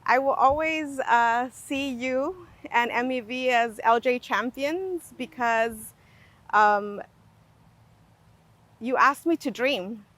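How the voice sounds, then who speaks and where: A woman from Guatemala, whose first language is indigenous, telling her story reflectively with many pauses and fillers. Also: fairly high pitch, fairly bright tone. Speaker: language justice cooperative founder. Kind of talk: personal storytelling in conversation.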